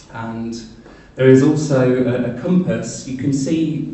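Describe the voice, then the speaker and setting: This man has an East Midlands accent and ordinary pitch variation. Audible room echo surrounds his voice. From England. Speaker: English teacher. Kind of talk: public lecture. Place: hall. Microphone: camera far.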